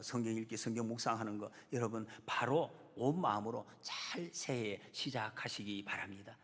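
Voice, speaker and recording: A man preaching a Sunday sermon as pastor, earnestly addressing the congregation and building to emphatic peaks. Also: medium pitch. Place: church sanctuary. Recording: long church reverb, slightly husky.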